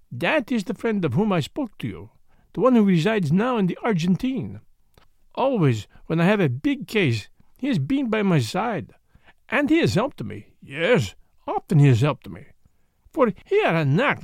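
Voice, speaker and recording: A man's voice: sits high, darkish tone, no room sound, studio quality, heavily acted. A man voicing an eccentric, vain but kindly older detective with a French accent, speaking in formal, courteous, emphatic phrases for an audiobook.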